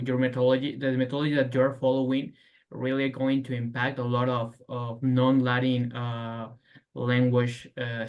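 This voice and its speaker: A man on a judging panel asking a student a question, speaking haltingly with many restarts and repeated words. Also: medium pitch, dull audio. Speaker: competition judge.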